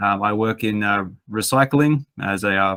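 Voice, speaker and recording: With an Australian accent, the man talks using ordinary pitch variation. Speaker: recycling yard worker, collector. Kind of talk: casual group chat.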